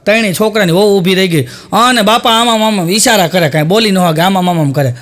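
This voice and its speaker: A man's voice: high-pitched, fast talker, a bit bright. A male comedian telling stand-up jokes as a folksy storyteller who acts out village characters.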